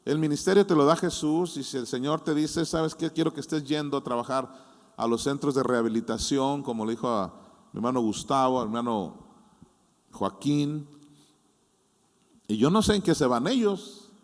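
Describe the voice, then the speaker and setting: A man's voice: mid-range voice, moderate pace. A male pastor with a Mexican Spanish accent gives a sermon in a conversational way and acts out his listeners' doubts with humor. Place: church hall. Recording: long hall reverb.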